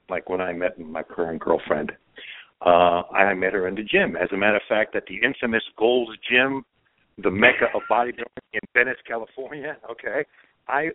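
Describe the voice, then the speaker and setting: A Croatian man gives emphatic dating advice as a guest in a casual chat, often tagging his points with "okay?" His voice is fairly low, and he sounds like he's on a phone-like line, with a dry recording.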